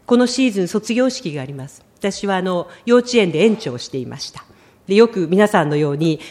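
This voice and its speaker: A middle-aged woman preaching a sermon in an expressive storytelling way, often acting out the lines she quotes. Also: mid-range voice.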